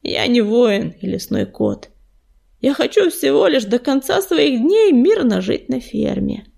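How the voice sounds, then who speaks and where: A woman's voice: fairly high pitch, very animated, measured pace, gravelly, darkish tone, slightly rough, exaggerated voice. A woman voicing a weary, plain-spoken loner tomcat living on a farm. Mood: grumbling.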